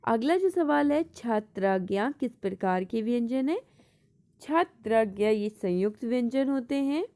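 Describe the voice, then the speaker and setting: A woman in a teaching role works through exam-prep questions at an unhurried pace. Her voice sits a little on the high side. She reads each question aloud before explaining it, dropping English words into her Hindi. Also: darkish tone.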